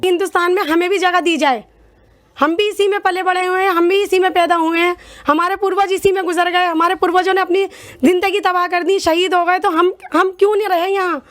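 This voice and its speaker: A woman's voice: very high-pitched, steady tone, fairly quick, a bit bright, no echo. A woman interviewed in the street, speaking in an impassioned, pleading way. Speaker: riot victim interviewee.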